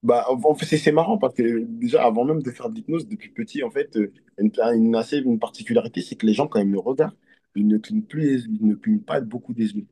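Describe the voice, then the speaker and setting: A man from Côte d'Ivoire, a hypnotist, talking in an earnest, reflective and halting way as an interview guest. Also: medium pitch, warm tone, slightly rough. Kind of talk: casual interview conversation.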